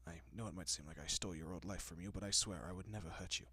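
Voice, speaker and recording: A man playing a gentle, courteous, possessive vampire in an intimate audio roleplay, speaking softly and often dropping to a whisper with hushed reassurance. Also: low-pitched, rapid-fire, breathy edge, no echo, exaggerated voice. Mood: soothing, earnest. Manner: hushed, reassuring, politely old-fashioned.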